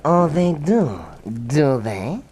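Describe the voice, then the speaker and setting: A woman's voice: deep voice, big pitch swings, slow, crowd noise, heavily acted. An actress playing a grandiose, haughty female mad scientist in a comic radio drama, theatrical, sneering and menacing.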